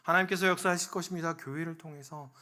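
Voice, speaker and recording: A male pastor delivers a Sunday sermon in a church. His voice sits high for a man and rings bright and forceful. He tells his stories with animation, acting out the voices he quotes and swinging between raised calls and hushed asides. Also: quick pace. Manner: animated storytelling, acts out quoted voices, swings from loud to soft. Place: church sanctuary.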